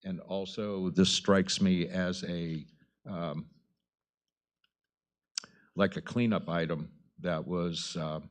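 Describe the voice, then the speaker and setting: A man speaking as a council member, putting formal questions to staff in a halting, deliberate way. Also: sits low, steady tone. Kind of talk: formal questioning at a public meeting.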